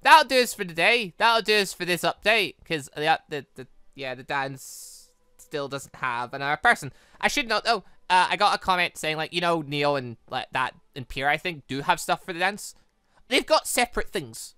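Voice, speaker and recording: A gaming host giving casual, rambling commentary in an excitable, conversational way. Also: mid-range voice, normal speed, smooth, no echo.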